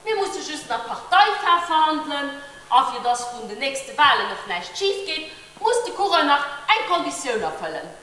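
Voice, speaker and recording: A woman's voice: high-pitched, sing-song, normal speed, bright, forceful tone, heavily acted. A woman with a Luxembourgish accent, acting a smug fixer of deals for politicians in a live cabaret sketch. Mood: sly. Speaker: cabaret actor. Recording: echoey tent stage recording with hiss.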